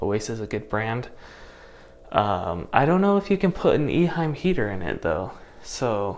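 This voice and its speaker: Soft-spoken, a man at a medium pitch moves at a moderate pace, with very wide pitch swings and long, frequent pauses. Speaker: aquarium YouTuber. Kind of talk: casual tutorial.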